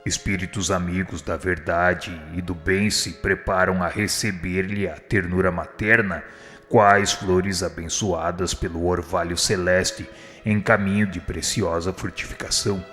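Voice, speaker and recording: A man's voice: deep voice, steady tone, unhurried, a bit bright. An actor playing a kind, humble spirit instructor in a radio drama, solemn and eloquent as he pleads. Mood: tender pleading. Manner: solemn, supplicating, formal and eloquent. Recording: long hall reverb, music underneath. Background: music.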